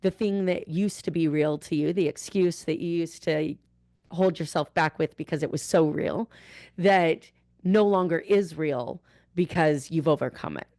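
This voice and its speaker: A woman hosting a conversational interview podcast, putting questions in a deliberate, emphatic way. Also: low-pitched, dark tone, no echo, studio quality. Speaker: podcast host, author.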